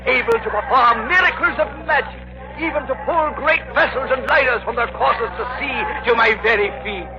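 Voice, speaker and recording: A booming villain god. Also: male voice, normal speed, crowd noise. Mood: menacing. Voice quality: booming, theatrical. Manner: menacing and grandiose. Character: megalomaniac man posing as a volcano god. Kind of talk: 1930s radio drama acting. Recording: muffled 1930s radio recording with music.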